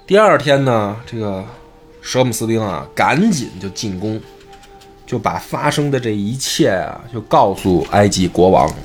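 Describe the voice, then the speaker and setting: A man telling a folk tale in a chatty, joking comic storytelling style. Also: mid-range voice.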